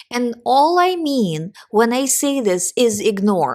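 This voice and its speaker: A woman's fairly high-pitched voice with a Ukrainian accent. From Ukraine. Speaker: OCD recovery coach. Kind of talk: educational talk to camera. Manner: casual, conversational with fillers.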